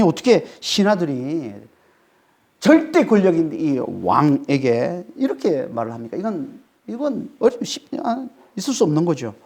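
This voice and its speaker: Korean pastor preaching, lively up-and-down voice, keeps going "eh?" at the people. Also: male voice, high-pitched. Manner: emphatic, keeps asking the congregation "eh?"; animated, rises sharply when dramatizing. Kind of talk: expository sermon.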